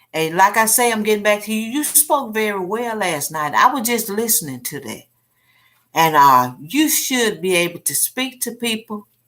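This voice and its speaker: A woman speaks at a moderate pace in a fairly high pitch. Her voice makes very wide pitch swings. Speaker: livestream host. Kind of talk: casual chat. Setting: live video stream. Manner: hesitant, many fillers.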